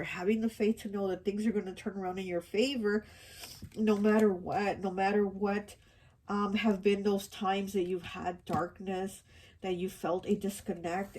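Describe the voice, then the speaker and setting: A woman's voice: medium pitch, little pitch movement, normal speed, a little mellow, slight background noise. A woman giving a casual tarot card reading, rambling with many fillers and restarts, her voice stuffy and nasal from allergies. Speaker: tarot reader.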